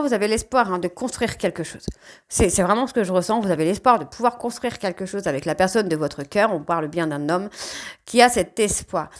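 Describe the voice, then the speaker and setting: A woman with a northern French ch'ti accent giving a casual spoken tarot reading, often tagging her sentences with "hein". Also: medium pitch. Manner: chatty, frequent "hein" tags. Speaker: tarot card reader.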